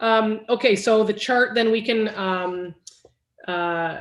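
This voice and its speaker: A woman with a Canadian accent speaks with ordinary pitch variation in a very clean recording with a silent background. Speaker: county councillor chairing meeting. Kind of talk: council meeting discussion. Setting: video conference meeting. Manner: fast.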